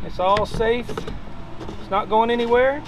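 A man's voice: very high-pitched, unhurried, heavy background noise. A middle-aged man casually showing off his gear outdoors by a pickup truck, talking in a folksy, rambling way with lots of "uh" and restarts. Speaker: treasure hunting video host. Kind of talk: casual show-and-tell demonstration.

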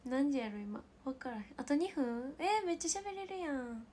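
A woman with a Kansai accent chatting casually with livestream viewers as the host, giggling often and slipping into soft whispered asides. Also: high-pitched, big pitch swings, moderate pace, slight background noise. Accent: Kansai Japanese.

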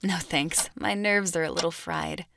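A woman's voice: fairly low pitch, unhurried, creaky, background noise. A young woman playing a tired, reserved student who works late, speaking in a subdued, polite, hesitant way in an audio drama. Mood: tired, casual. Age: young adult.

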